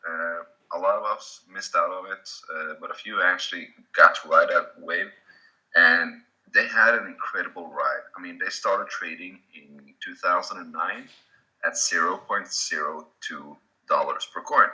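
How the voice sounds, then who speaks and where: A man with a Swedish accent, a native Swedish speaker, giving a casual slide presentation with halting restarts. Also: sits low, bright, forceful tone, poor audio. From Sweden.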